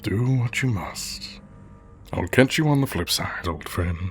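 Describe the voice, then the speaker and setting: Over clear background noise, a man puts on a cartoonish character voice, fairly low in pitch, with lively intonation and a fairly slow pace. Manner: playful, casual.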